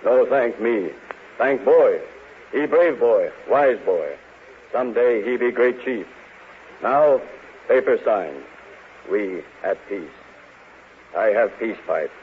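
An actor playing a solemn old tribal chief who speaks in halting, broken English, heard through a tinny old radio broadcast. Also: male voice, on the low side, expressive, slight background noise.

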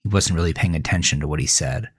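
A man's voice: low voice, quick pace, slightly rough, no room sound. A man narrating a horror thriller story in a scripted, dramatic storytelling style. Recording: close dry voice over faint music. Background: faint music.

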